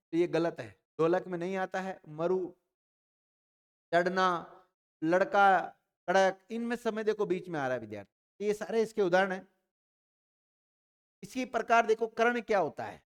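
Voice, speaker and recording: A man's voice: sits high, smooth, in a large hall. A male teacher giving a grammar lesson, speaking straight to his students and answering his own questions. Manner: addresses students directly, repeats questions and answers them.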